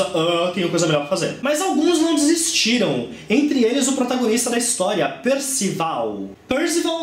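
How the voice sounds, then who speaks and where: A man's voice: sits high, echoey room. A young man in his twenties with a Brazilian Portuguese accent, chatting enthusiastically through a casual book review. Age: 20s.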